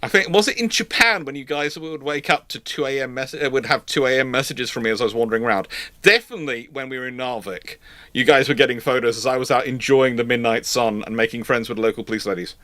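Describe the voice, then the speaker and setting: Bright-voiced man hosting a casual chat. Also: mid-range voice, fast, no echo. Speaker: host. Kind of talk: casual live question-and-answer chat.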